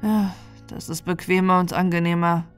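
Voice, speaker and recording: A woman's voice: fairly low pitch, little pitch movement, normal speed, natural voice. Mature poet read by a woman, wry, resigned and hesitant, storybook reading over music.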